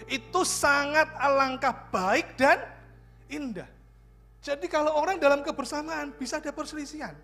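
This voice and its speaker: A male pastor, preaching a lively sermon full of jokes and questions to the congregation. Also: extremely high pitch. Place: church.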